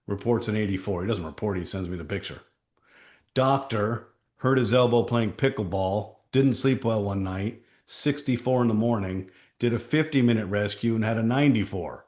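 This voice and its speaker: A man with a deep voice hosting a town hall as a company chief, telling stories with emphatic, punchy short phrases. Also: darkish tone. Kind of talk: conversational town-hall talk with anecdotes.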